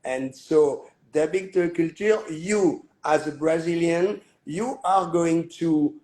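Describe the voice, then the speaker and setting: A man hosting a live online interview, talking in a halting way with many fillers and restarts. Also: a little high, dark tone. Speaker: host.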